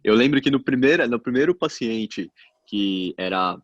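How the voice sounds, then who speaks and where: A Brazilian man with a Brazilian Portuguese accent tells stories in an animated way, at a middle pitch. His voice comes through a dull, lo-fi mic, and the sound is dead dry with no room to it. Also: moderate pace, no echo. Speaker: medical resident. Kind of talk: casual podcast chat.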